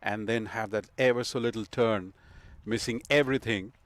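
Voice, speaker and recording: A man giving live cricket commentary in a measured, analytical way, sometimes pausing with fillers. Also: lowish voice, steady tone, no echo.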